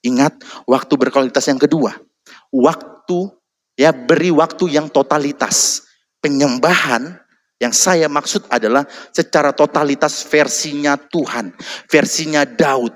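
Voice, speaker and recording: A man preaching a lively sermon, exhorting the congregation and calling for amens. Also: on the high side, unhurried. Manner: animated, exhorting, calls for amen.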